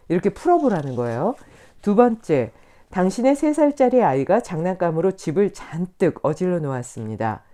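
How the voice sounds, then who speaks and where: A middle-aged Korean woman teaches meditation in a relaxed, conversational way. Her voice is low and warm. She keeps her pitch moving and slips into little acted inner voices. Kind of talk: live-stream talk on emotions.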